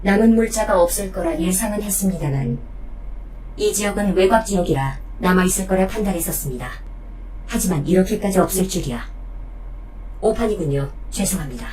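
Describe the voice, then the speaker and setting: A woman playing a polite, protective robot companion in an audio drama, speaking in a formal, measured, matter-of-fact way. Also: lowish voice, lively intonation, mellow, slight background noise, close to an everyday voice, rough recording. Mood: apologetic. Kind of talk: Korean audio drama acting.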